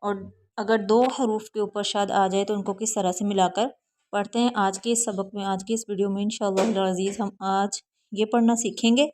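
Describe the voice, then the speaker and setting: A woman teaching Quran reading in Urdu with a South Asian accent, spelling out letters slowly one by one and then explaining the rules quickly. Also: mid-range voice, flat delivery, darkish tone, a little hiss or hum. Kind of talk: slow syllable-by-syllable recitation lesson.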